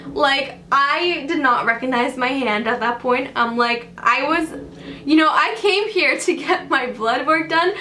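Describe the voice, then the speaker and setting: A woman's voice: high-pitched, measured pace, reverberant, slight background noise. A young woman from Canada telling a dramatic storytime to her vlog viewers, full of fillers and restarts. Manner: dramatic, animated retelling with many fillers. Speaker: vlogger.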